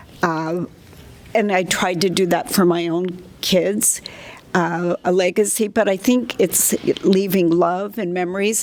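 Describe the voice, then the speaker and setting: A woman with a fairly low pitch talks at a fairly slow pace against noticeable background noise. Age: 70s. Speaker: fitness club client. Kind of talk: group discussion. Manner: halting.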